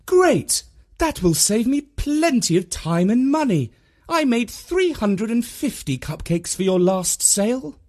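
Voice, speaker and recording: Storyteller playing a feisty mum, raised pitch, lively, storybook heroine. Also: measured pace. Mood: indignant. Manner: lively and indignant. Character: spirited mother, indignant but good-humoured.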